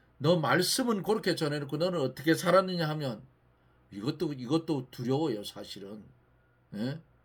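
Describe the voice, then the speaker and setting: A man with a slight Gangwon accent speaks at a moderate pace in a somewhat breathy, fairly high voice with lively intonation. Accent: slight Jeongseon dialect. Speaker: church elder, Bible teacher. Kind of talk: Bible exposition. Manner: homely, conversational.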